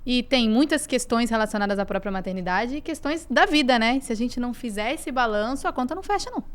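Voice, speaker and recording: A woman's voice: a little high, animated, quick pace, clear, resonant tone. A woman doctor, a guest on a podcast, answering candidly in a self-deprecating way with frequent tag questions. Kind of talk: candid conversational interview answers. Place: glass-walled studio with a live audience.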